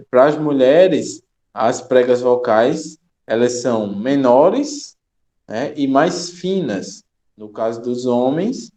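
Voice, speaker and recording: A man's voice: mid-range voice, dark tone. A young man from Brazil, a teacher trainer giving a recorded online lecture over slides, often checking in with short questions to his listeners. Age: young adult. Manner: explanatory, checks in with "ok?" and "tá?".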